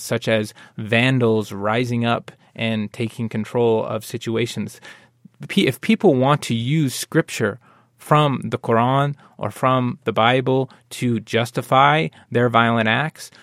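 Gravelly wyoming guy explaining things slowly and earnestly on a panel, dry mic. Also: mid-range voice, fairly bright tone, dry recording. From Wyoming, USA. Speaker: guest. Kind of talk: panel discussion.

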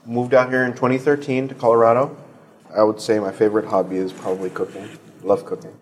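A man's voice: medium pitch, little pitch movement, quick pace. A man from California's Bay Area, talking openly and at length in an interview. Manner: talkative and open. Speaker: guest. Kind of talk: conversational interview.

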